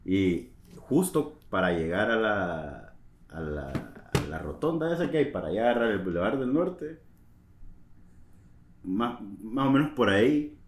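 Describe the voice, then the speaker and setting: A man's voice: lowish voice, very animated, unhurried, roomy sound, a little hiss or hum. A young man, a podcast co-host who chats and cuts in with slang. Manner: chatty, interjecting with slang. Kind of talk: casual chat.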